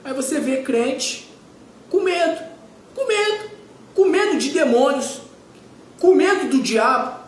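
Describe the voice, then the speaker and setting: A man's voice: extremely high pitch, animated, slow pace, long pauses, reverberant. A man in his forties preaching a sermon as pastor, emphatic and repetitive, firing off rhetorical questions. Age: 40s.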